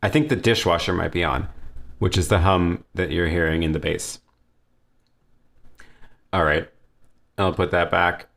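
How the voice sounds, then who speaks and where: A man with a notably low, deep voice hosts a live question-and-answer stream from his home studio. He talks in a relaxed, easygoing way, thinking aloud and often restarting his sentences. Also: unhurried, vocal fry, long pauses. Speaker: livestream host answering viewer questions. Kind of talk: casual live Q&A. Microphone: headset or desk mic with headphones.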